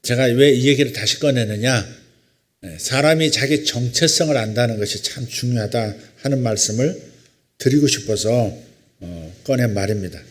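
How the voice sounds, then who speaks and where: Korean pastor guy preaching, reads scripture slow and loud then chats through a story. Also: mid-range voice. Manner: conversational storytelling from the pulpit. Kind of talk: sermon.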